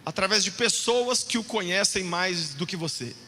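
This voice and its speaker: A male pastor preaching an animated, jokey sermon, shouting out points for emphasis in a church hall. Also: sits high, moderate pace, slight background noise. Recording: long hall reverb.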